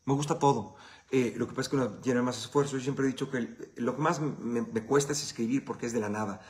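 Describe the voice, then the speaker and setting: A man's voice: mid-range voice, steady tone, fast, darkish tone. A man with a Mexican Spanish accent hosting a casual live Q&A. He answers viewer questions in a blunt, profane, conversational way.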